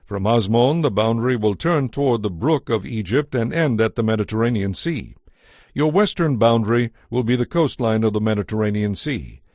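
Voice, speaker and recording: A man narrating dramatized scripture in a solemn, measured, authoritative manner. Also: mid-range voice, darkish tone, dry recording, clean studio sound. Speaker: audio Bible narrator. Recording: music under the voice. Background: music.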